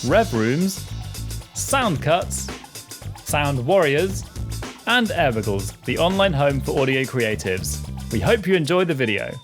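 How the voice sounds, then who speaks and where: Slow, lively announcer over music. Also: medium pitch. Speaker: channel announcer. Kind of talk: scripted sponsor intro.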